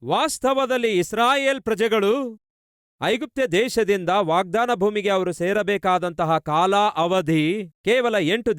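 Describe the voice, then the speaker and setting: A male pastor preaching in Kannada with a Kannada accent, with steady rhythmic repetition and many rhetorical questions. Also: high-pitched, no echo, studio quality. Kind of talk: sermon.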